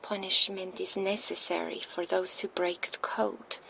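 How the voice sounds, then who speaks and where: A cold female vampire, as a woman acts her out, whispers slowly and menacingly right beside a binaural mic. The low, gravelly whisper takes its time with every taunt, and a faint hiss sits beneath it. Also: flat delivery, full character voice, rough recording. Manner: soft unvoiced whisper, slow and taunting. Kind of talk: ASMR roleplay, whispered. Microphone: binaural microphone.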